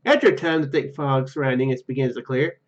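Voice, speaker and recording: A man's voice: medium pitch, fast. A man reading a game's narration aloud and adding casual commentary as a gaming video host, on a slightly lo-fi microphone.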